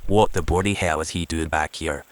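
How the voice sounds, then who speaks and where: A man's voice: very deep voice, steady tone, fairly quick. A man playing an indignant, paranoid asylum patient, blunt and cursing, in an audio drama. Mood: indignant, angry. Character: agitated, foul-mouthed, paranoid male asylum patient.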